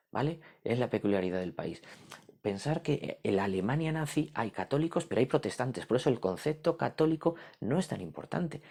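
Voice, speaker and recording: A man's voice: on the low side, warm tone. A middle-aged man, giving a casual history lesson, asking himself questions and checking in with "¿vale?" as he goes. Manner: rhetorical questions with frequent "¿vale?". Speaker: history teacher.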